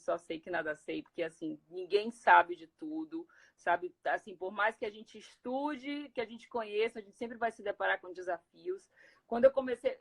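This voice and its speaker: Woman, from Recife, guest speaker, casual live chat, animated, laughing, restarts. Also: medium pitch. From Recife, Brazil.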